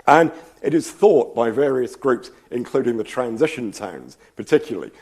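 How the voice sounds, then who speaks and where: Male lecturer, slight cold, voice a bit worn, thoughtful and rambling, mid pitch. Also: expressive, moderate pace, a little mellow, slightly rough. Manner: thoughtful, rambling, frequent ums and asides. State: slight cold, losing his voice. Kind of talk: public science lecture. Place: lecture hall.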